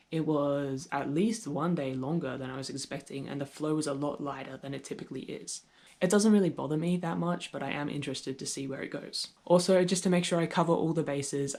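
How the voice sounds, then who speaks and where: A young trans man, early in his transition with his voice starting to deepen, speaking candidly and reflectively in a personal video diary with touches of gentle humor. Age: young adult. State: voice deepening on testosterone. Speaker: vlogger.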